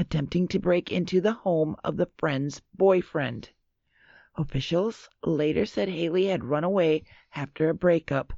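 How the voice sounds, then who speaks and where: In an American accent, a woman with a fairly low pitch and vocal fry speaks at a moderate pace. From Minnesota. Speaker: panelist. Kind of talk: casual chat.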